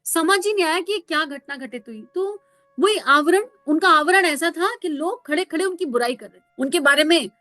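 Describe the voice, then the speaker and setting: A woman spiritual counsellor giving a devotional talk, telling stories in an animated way and mixing in English words. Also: very high-pitched, moderate pace, no room sound.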